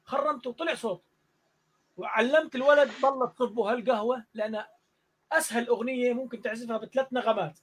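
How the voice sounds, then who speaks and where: A man with a Jordanian Arabic accent tells a story quickly in a very high voice. He acts out each exchange with animated energy. He is a music teacher speaking casually in a live online interview. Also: breathy edge.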